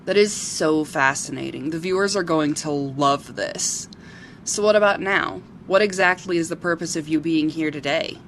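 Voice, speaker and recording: A woman playing a sincere local TV reporter in an amateur audio drama, telling her story in a measured way. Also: deep voice, a bit bright, slight background noise. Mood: curious. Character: sincere female local TV reporter who loves wild creatures.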